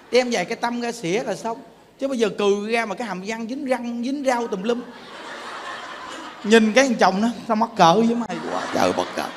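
A man with a Southern Vietnamese accent, a Buddhist monk giving a sermon in a colloquial, joking way and often asking his listeners questions. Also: very high-pitched. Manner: colloquial and joking, peppers talk with questions to the audience. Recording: long hall reverb, faint background noise.

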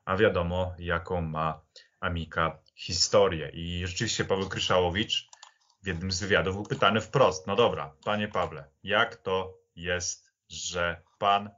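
Deep-voiced man discussing football. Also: steady tone, unhurried, a bit bright. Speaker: football podcast speaker. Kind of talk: conversational sports history discussion. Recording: slightly dull, band-limited audio.

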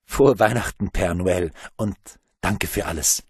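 A man's voice: low voice, unhurried, slightly rough, no room sound, heavily acted. A man voicing a friendly, thankful young mother at a Christmas party. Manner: warm, thankful.

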